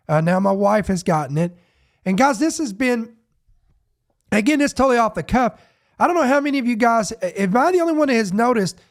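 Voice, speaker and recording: A man with a notably high voice hosts a casual news podcast while fighting off a head cold that leaves him sniffly. He rambles off the cuff, stopping and restarting his sentences as he goes. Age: adult parent. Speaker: podcast host.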